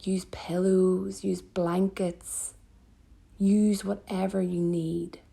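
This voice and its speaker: A woman yoga teacher leading a guided relaxation meditation in a soft, breathy, soothing manner with gentle pauses. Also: on the low side, level tone.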